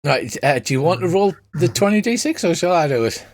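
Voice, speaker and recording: A man's voice: on the high side, lively intonation, fairly quick, darkish tone. A man acting as game master, casually narrating a tabletop fantasy game in a conversational, descriptive way.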